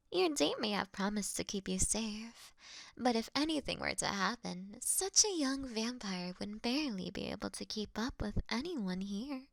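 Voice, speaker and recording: A woman playing an ancient, aristocratic vampire mistress in an intimate roleplay audio drama, flirty and gently dominant, with a soft, whispery voice and formal, teasing delivery. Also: fairly high pitch, creaky, no room sound. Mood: dominant, protective. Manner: slow, teasing, formal, elegant diction.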